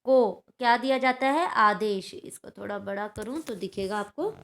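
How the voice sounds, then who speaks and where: A woman's voice: medium pitch, normal speed, a little hiss or hum. A woman teaching a Hindi grammar lesson to schoolchildren, explaining patiently and checking in often with her class.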